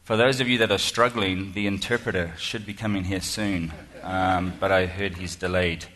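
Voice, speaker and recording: A New Zealand-accented man, a guest speaker, delivers a humorous keynote in a lecture hall, chatty and self-deprecating with plenty of ums and restarts. His low voice holds a steady tone at a moderate pace and sounds fairly bright.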